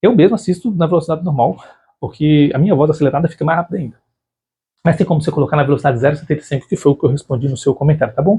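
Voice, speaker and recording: A man's fairly high, somewhat breathy voice in a dark, mellow tone, at a very fast pace with ordinary pitch variation. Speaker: book YouTuber. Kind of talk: casual Q&A monologue.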